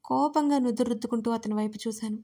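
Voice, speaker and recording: A woman narrating a first-person romance audio story in an even, matter-of-fact way. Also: fairly high pitch, fast.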